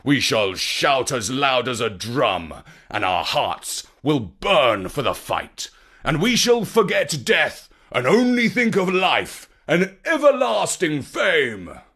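A man's voice: medium pitch, big pitch swings, slow pace, sharp tone, husky, full character voice. A man voicing a brave young heroic king in a storybook reading, speaking earnestly.

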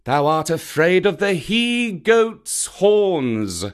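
A man voicing a proud, sharp-tongued black panther who mocks sweetly in a storybook reading. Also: on the high side, wildly swooping pitch, slow, pitched above the performer's own voice, full character voice. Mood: sly. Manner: sweetly mocking.

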